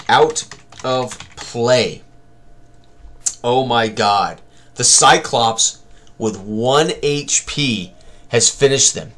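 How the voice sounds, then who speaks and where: Slow-paced older man as game master. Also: mid-range voice, fairly bright tone. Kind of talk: narrating a tabletop combat tutorial while rolling dice. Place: small room indoors at a computer.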